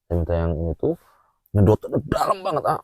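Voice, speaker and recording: A man telling his personal experience in a casual chat, animated and full of fillers. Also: deep voice, fairly quick, no room sound, studio quality. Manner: animated, with frequent filler "ah" and "A", acts out gestures while telling.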